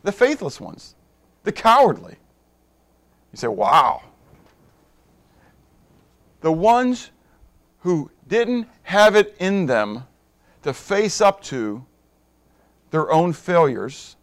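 A middle-aged man preaching a sermon in a conversational way, asking the congregation questions and moving from hushed asides to emphatic points. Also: high voice. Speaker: pastor.

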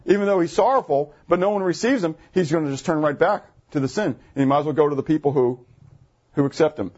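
A man preaching a sermon to his congregation, animated, asking the room questions, with jumps in pitch when he gets excited. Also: fast, highs cut off. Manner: jumpy pitch, bursts high when excited. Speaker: pastor. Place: church assembly room.

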